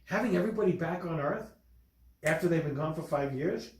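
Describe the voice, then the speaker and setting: A man's voice: on the high side, animated, brisk, a little hiss or hum. A man chatting casually about a movie in slangy speech full of filler phrases. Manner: slangy, peppered with "you know". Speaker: podcast host. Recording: distant mic in echoey room.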